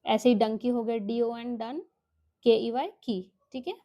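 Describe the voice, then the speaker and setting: A woman's voice: on the high side, steady tone, unhurried, mellow, dry recording. A woman teaching children a workbook lesson, explaining each step patiently and often checking with okay, with an Indian English accent.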